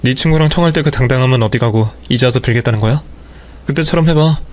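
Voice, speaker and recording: A man's voice: medium pitch, fast, lightly acted. A man voicing an angry husband who speaks harshly and accusingly to his wife.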